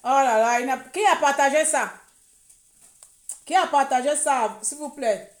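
A woman from Gabon speaks on a live social media stream in a high voice. Her talk is heated and mocking, and she hammers the same words again and again. The phone recording picks up a roomy echo. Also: measured pace. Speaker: online commentator.

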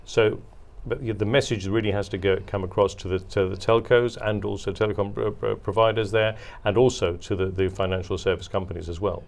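Halting male interviewer, low voice. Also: fairly even intonation, gravelly. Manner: halting, repeats words while framing questions. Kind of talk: interview questions. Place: dark studio set at a conference.

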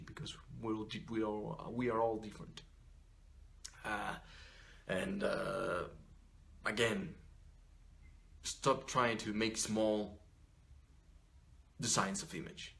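A man's voice: lowish voice, creaky, sharp tone. A man in his thirties, an image consultant, talking straight to camera in an unscripted, blunt and profane vlog, full of restarts and "you know". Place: small furnished room indoors.

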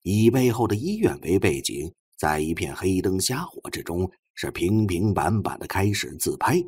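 Male audiobook narrator, lowish pitch, extremely animated, husky, dramatic storytelling. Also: moderate pace, dry recording.

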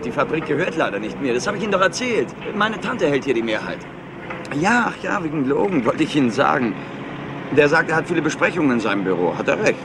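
An actor playing a clever, slightly overexcited nephew of a rich family in a crime radio play, glib and excitable. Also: male voice, a little high, fast, background noise. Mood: excited, glib.

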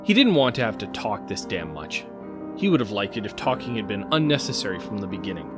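Low, animated male narrator. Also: fairly quick, over music. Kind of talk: dramatic scripted narration.

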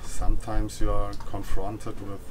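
A man's voice: lowish voice, completely flat delivery, a little slow, noisy background. A man in his thirties speaking conversationally as an interviewer. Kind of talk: brief conversational interview responses. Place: outdoors on a sailboat deck.

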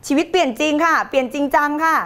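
A woman's voice: high voice, fairly even intonation, very fast, a bit bright. A middle-aged woman teaching on a live stream, reading viewer comments in a playful, theatrical way. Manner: playful and theatrical, laughing and putting on voices.

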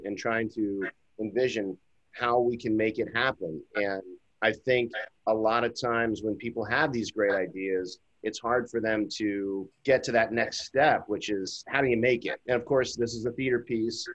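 A man's voice: lowish voice, fairly even intonation, moderate pace, fairly bright tone, poor audio. A man in his fifties co-hosting a casual discussion over a video call, reflective and musing, often restarting his sentences. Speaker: co-host. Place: home room, indoors. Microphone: webcam on a video call.

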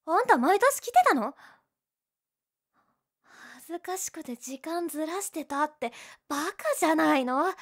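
A woman's voice: high-pitched, creaky. A young woman playing a teasing, prickly, secretly lovestruck tsundere childhood friend in a romantic audio drama. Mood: embarrassed, tender. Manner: bratty teasing, flustered, emotive.

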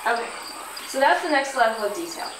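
A woman in her thirties leads a class from a flip chart and keeps asking the group questions. She is picked up by a distant camera in a roomy outdoor pavilion. Steady noise and crickets sit behind her. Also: fairly high pitch, fairly quick. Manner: friendly, asks the group questions. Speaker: workshop teacher. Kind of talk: teaching a workshop class. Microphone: far camera. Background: insects and crickets.

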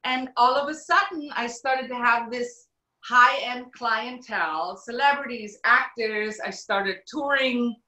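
Brief: middle-aged woman from Switzerland, sharp bright tone, plain storytelling, roomy video call sound. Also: a little high, unhurried. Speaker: guest. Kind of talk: casual video call chat. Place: home room. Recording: echoey room on a video call.

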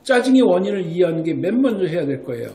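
High-voiced man lecturing in an echoey room. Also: sing-song, fast, dark tone. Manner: emphatic, keeps asking rhetorical checks like "right?". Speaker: Korean medicine doctor explaining child development. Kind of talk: explanatory talk to parents.

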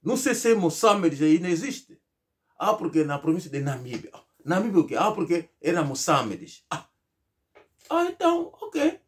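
A middle-aged man from Angola speaks to a fixed camera in a small indoor room, his voice pitched high. He delivers a rhetorical political monologue, stressing each point and mocking the replies he imagines. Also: very animated, moderate pace. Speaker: political commentator. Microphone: fixed camera, seated at medium distance.

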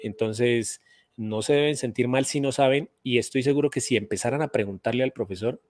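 A middle-aged man gives earnest advice to students in a relaxed chat. His voice sits at a middle pitch. It is picked up close on a studio mic in a dry home room. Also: brisk, no echo. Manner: earnest, advising, with restarts. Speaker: math teacher and YouTuber. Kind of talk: casual live chat. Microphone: studio mic on boom arm, headphones.

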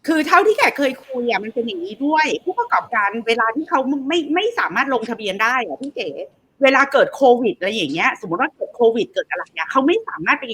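A woman's voice: a little high, very animated, fast talker, fairly bright tone, husky. A woman co-hosting a casual talk show, who asks questions and adds her own points in a chatty way.

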